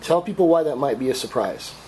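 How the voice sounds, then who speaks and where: A man with a raspy voice from a cold, interviewing an athlete as a sports reporter with direct questions. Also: mid-range voice, lively intonation, brisk, warm tone, a little hiss or hum, low-quality recording.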